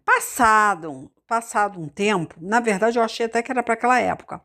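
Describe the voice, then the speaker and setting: A woman's voice: fairly high pitch, fairly quick, sharp tone. A woman missionary from Rio de Janeiro with a Carioca accent, giving an informal sermon mixed with personal testimony. She talks in a conversational way, repeats words and turns to the congregation with frequent asides. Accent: Carioca Brazilian Portuguese. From Rio de Janeiro, Brazil. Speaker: missionary preacher.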